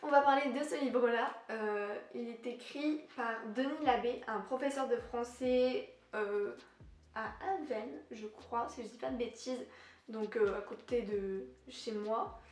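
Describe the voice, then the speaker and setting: Young female book vlogger, casual and self-deprecating, a touch high-pitched. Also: measured pace, recorded from a distance. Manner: chatty, self-deprecating, laughs often. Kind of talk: casual book haul chat. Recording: echoey room.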